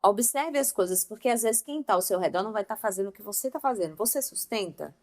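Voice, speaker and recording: A woman's voice: medium pitch, lively intonation, quick pace. A young woman giving an informal Christian devotional talk, speaking emphatically and straight to her listeners with affectionate asides. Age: young adult. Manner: emphatic, talks straight to the listener as "meu amor" and "gente".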